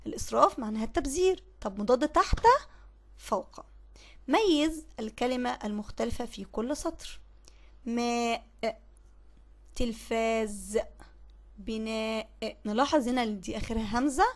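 A woman teacher with an Egyptian Arabic accent, talking through a children's reading lesson, asking questions and answering them herself, repeating words slowly. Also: fairly high pitch. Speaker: primary school Arabic teacher. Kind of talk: recorded classroom lesson explaining a reading text.

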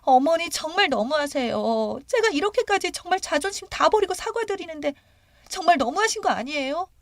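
A woman's voice: on the high side, very animated, a little fast, no echo, clean studio sound, voice pushed up. A woman voicing a brash, demanding young daughter-in-law who talks in an entitled, whiny way. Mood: pleading.

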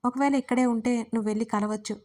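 A woman's voice: on the high side, steady tone, very fast, a little mellow, lightly acted. A woman voicing a distraught, anxious young woman in an audio story, speaking urgently. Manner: urgent, pleading.

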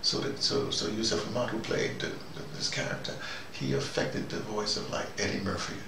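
Older american guy musing out loud, wry, voice swings up and down, sounds far from the mic in a noisy room. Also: on the low side, expressive, normal speed, vocal fry, echoey room. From United States. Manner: wry, musing, self-questioning. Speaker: host. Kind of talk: rambling conversational monologue.

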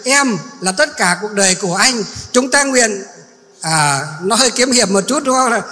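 Monk giving a sermon, high sharp voice, keeps asking questions and answering them, long echo in a hall. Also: male voice, animated, normal speed. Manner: asks the audience questions and answers them himself. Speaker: Buddhist monk preacher.

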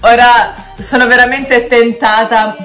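Bubbly young Italian woman, slow-talking. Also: on the high side, level tone, fairly bright tone. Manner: bubbly, gushing, sings along and stammers. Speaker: kpop reaction youtuber. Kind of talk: excited music video reaction. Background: music playing.

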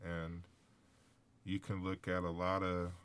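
A man's voice: deep voice, completely flat delivery, very slow, a bit bright, smooth. A man and professional basketball player chatting easily in a radio booth, laid-back and giving advice with examples. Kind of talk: casual chat in English.

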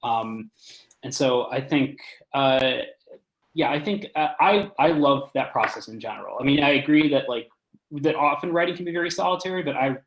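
A man in his thirties giving a halting, unscripted panel answer as a writer, on a video call from home. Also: medium pitch. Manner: halting, frequent hesitations and self-repairs. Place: room at home, indoors. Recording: echoey room on video call.

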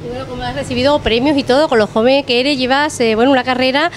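A woman with an Andalusian accent, a TV host, interviewing a chef in a kitchen with enthusiastic, flattering questions. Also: high voice, fast talker, a little hiss or hum. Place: restaurant kitchen, indoors. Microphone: handheld mic.

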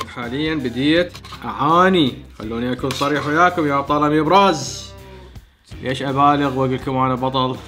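Iraqi guy in his 30s chatting quick while he eats, soft music behind. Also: medium pitch. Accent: Iraqi Arabic. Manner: chatty, talks between mouthfuls. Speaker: food challenge host. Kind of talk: casual eating vlog. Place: small indoor home studio.

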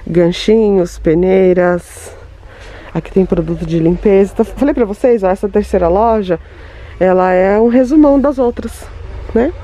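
A woman's voice: medium pitch, moderate pace, mellow, a little hiss or hum. A Brazilian woman vlogging a walk through a home goods store, chatty and enthusiastic as she shows products to her viewers. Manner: enthusiastic, gushing over items, chatty asides to viewers. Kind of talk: store tour vlog, showing products.

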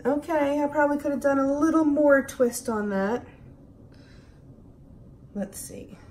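A woman's voice: sits high, moderate pace, darkish tone, a little hiss or hum. A woman with a Baltimore accent casually narrates a craft demonstration, thinking aloud in a hesitant, self-deprecating way. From Baltimore, United States. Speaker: host demonstrating acrylic pouring.

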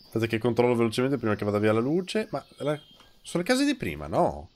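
A man's voice: mid-range voice, big pitch swings, quick pace. A man in his thirties with a nasal, stuffed-up voice, chatting casually and bluntly as he streams a video game, teasing and swearing. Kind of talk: casual live gameplay chat.

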